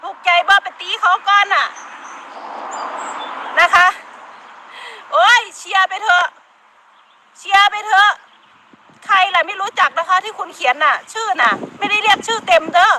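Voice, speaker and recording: During a heated live-stream rant, a middle-aged woman with a Northeastern Thai (Isan) accent scolds emphatically in a very high, bright voice, laughing often and using Isan dialect words. She speaks unhurriedly with long pauses, outdoors in the countryside, with animals and outdoor noise faintly behind her.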